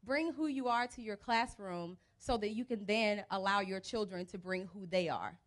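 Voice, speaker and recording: A woman's voice: mid-range voice, normal speed. A young adult woman with an American accent, giving an informal, chatty presentation as a teacher coach, speaking into a handheld mic. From United States (Birmingham, Alabama and Cleveland, Ohio). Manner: chatty, casual, colloquial. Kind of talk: informal presentation to a live audience. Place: outdoors under a large event tent. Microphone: handheld mic through PA speakers.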